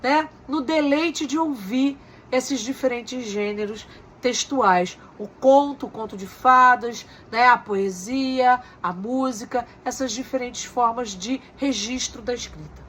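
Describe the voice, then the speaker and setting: A woman's voice: sits high, slow pace, fairly bright tone, slight background noise. A woman giving a recorded lecture as a teacher, explaining step by step with frequent tag questions and rhetorical questions.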